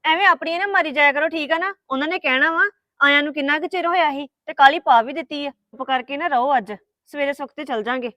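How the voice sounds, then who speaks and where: High, fast, retorting young wife in a family drama, played by a woman; dry, slightly muffled sound. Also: pushed and bright, no echo. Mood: arguing. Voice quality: argumentative, retorting. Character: stubborn young wife visiting her parents. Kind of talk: Punjabi family drama acting.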